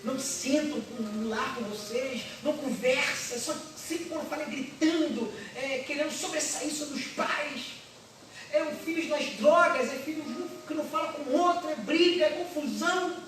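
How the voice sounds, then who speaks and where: A high-pitched preacher delivers an emphatic, repetitive sermon full of rhetorical questions. The voice rings through a large, very echoey church hall and is picked up from well back from the speaker. A faint murmur of room ambience sits beneath it. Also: normal speed, fairly bright tone, distant mic, slight background noise. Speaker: pastor. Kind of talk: passionate sermon. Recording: echoey hall, recorded from afar.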